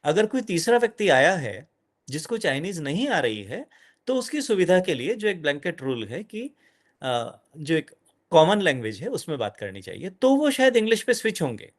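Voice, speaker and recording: A middle-aged man giving an animated lecture to an audience as a guest speaker, dropping in English phrases. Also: a little high, moderate pace.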